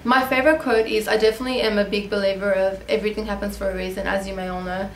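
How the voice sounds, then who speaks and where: A young woman sits in her bedroom answering viewer questions, rambling along with plenty of ums and restarts. She grew up in Australia, and Armenian is her first language. Her pitch sits mid-range, and the small room adds a clear echo. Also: steady tone, racing, a little hiss or hum. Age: young adult. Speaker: beauty vlogger. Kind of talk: casual Q&A chat.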